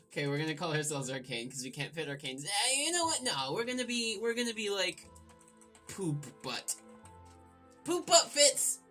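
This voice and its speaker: A woman's voice: fairly low pitch, big pitch swings, a little slow, pauses often, fairly bright tone, faint music behind. A woman hosting a gaming video, playfully reading the script aloud and commenting with irreverent, sudden exclamations. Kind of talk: let's play commentary, joking read-aloud narration.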